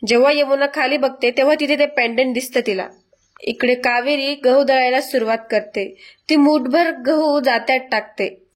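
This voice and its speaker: A woman's voice: sits high, moderate pace. A woman narrating a family drama episode recap in a sympathetic storytelling voice-over.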